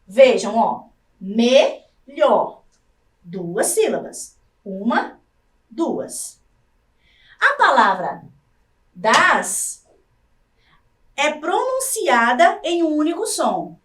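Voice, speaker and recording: High, lively woman teacher, slow and echoey. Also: recorded from a distance. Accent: Brazilian Portuguese. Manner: slow, sounding out syllables one by one. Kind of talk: recorded classroom lesson for adult learners. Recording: echoey room, voice off-mic.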